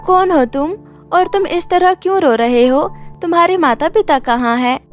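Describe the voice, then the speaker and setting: A woman as a high-voiced poor young street-seller girl. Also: normal speed, faint music behind. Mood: tender, caring. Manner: pleading, sweet street-seller patter. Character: poor, hungry, kind-hearted young lipstick-selling girl. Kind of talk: cartoon moral story character acting.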